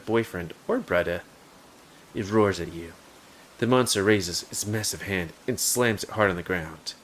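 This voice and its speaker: A man's voice: fairly low pitch, a bit bright, slight background noise. A man casually reading a game's text aloud and adding joking asides. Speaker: gamer. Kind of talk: let's play, reading game text aloud. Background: game music.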